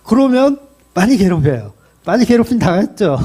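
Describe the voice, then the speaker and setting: A middle-aged male pastor preaching a sermon in a lively, joking way, with many questions to the congregation. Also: sits high, a little fast, slightly rough.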